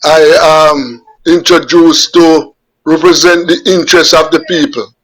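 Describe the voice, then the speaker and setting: A Jamaican man in his fifties or sixties, a veteran journalist, answering interview questions on a video call in a measured way, repeating words as he gathers his thoughts. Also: on the high side, steady tone, fairly bright tone, rough recording. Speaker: guest journalist. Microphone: webcam on a video call.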